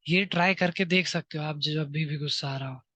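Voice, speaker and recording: A male teacher talks to schoolchildren in a higher-than-usual voice. His shows in the phrases he slowly dictates for them to repeat. The recording is dry and close, with no room sound. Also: fairly even intonation, pushed and bright, dry recording. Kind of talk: classroom lesson to children.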